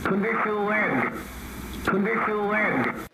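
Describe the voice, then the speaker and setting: A man's voice: high-pitched, lively intonation, slow, noisy background. A man voicing a retro arcade game's announcer, giving urgent, clipped warnings in crude digitized speech. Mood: urgent alert.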